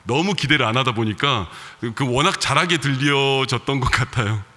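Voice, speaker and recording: A male pastor with a bright, forceful voice and a regional Korean dialect accent preaches to his congregation in a relaxed, conversational way, dropping in soft laughs and fillers. His voice rings out with the long reverb of a church sanctuary. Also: mid-range voice, normal speed. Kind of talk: sermon.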